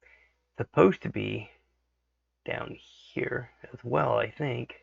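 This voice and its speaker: A man with a hoarse voice from a cold, talking through a software tutorial casually and checking in with "okay" as he works. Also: mid-range voice, slow, dry recording. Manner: thinks aloud, frequent "okay" checks. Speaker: 3D modeling tutorial host. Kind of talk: casual screen-recorded tutorial. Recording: dry, dull lo-fi mic.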